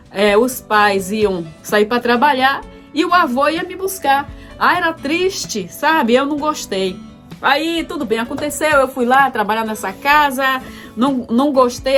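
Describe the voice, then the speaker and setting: A woman from Bahia with a Bahian accent, telling her own life story in a reflective, emotional vlog. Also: on the high side. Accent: Bahian Portuguese. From Bahia, Brazil. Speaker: vlogger. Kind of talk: personal storytelling.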